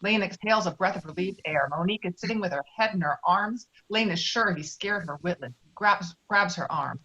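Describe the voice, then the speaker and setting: A woman's voice: on the low side, a little fast, pushed and bright. Woman reading screenplay directions, dull audio. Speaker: stage directions reader. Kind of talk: scripted narration of a screenplay.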